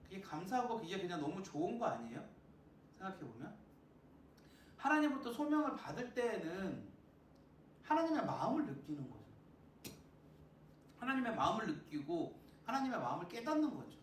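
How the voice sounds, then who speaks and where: A youth pastor with a sore throat, preaching a sermon to students and often asking them questions. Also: male voice, sits high, fairly quick, long pauses, a little hiss or hum. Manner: lively, asks the listeners questions, acts out voices. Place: church sanctuary. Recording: echoey church, mic at a distance.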